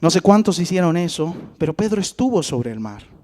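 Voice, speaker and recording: A man's voice: high voice, fairly quick. A man preaching a sermon, telling the story with animation and asking his listeners questions. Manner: animated storytelling, acts out voices, asks the audience questions. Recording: long hall reverb.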